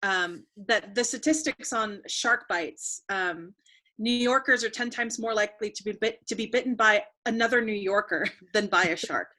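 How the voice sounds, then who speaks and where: A woman with a bright, crisp voice, hosting an interview. She asks her questions in a friendly, slightly hesitant way, filling the pauses with "um" and "like". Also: medium pitch. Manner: friendly, hesitant, many fillers. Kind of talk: conversational interview.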